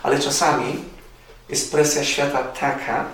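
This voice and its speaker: A man's voice: medium pitch, level tone, unhurried. Man preaching in a very echoey space. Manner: earnest, repetitive exhortation with sudden loud rises and soft drops. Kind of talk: sermon. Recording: very echoey, distant mic with faint noise.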